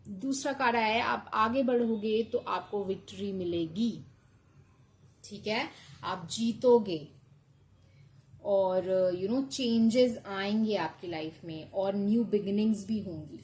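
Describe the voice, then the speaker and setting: A woman's voice: medium pitch, slow pace, a little mellow, low-quality recording. A woman doing a casual tarot card reading, reassuring her listeners and mixing in English. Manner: reassuring, often checks in with "okay" and mixes in English.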